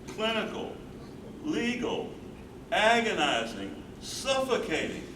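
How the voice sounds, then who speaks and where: An older man playing an earnest, devoted husband and caregiver in a staged reading, with emphatic phrasing. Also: a little high. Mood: grave, emphatic. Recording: roomy, distant, noisy live stage recording.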